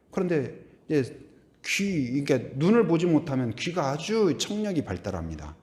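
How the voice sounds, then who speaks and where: A middle-aged man preaching a Sunday sermon as pastor, asking the congregation questions and now and then humming or singing a hymn line. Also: medium pitch. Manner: animated, asks the congregation questions, hums and sings hymn lines.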